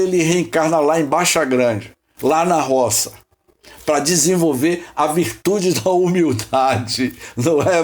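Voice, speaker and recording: A man's voice: on the high side, a little mellow. A man from Salvador leads an informal teaching session. He rambles, repeats himself, asks rhetorical questions and calls on people by name. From Salvador, Bahia, Brazil. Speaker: host leading a spiritist study session.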